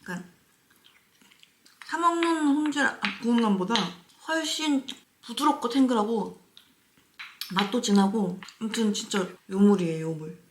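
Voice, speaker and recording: A woman's voice: on the high side, expressive, moderate pace, pauses often. A woman chatting casually to viewers as a mukbang vlogger, talking while chewing with her mouth often full, dropping in murmured, savoring asides. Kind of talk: casual eating-show chat to viewers. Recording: roomy echo, faint noise with clicks.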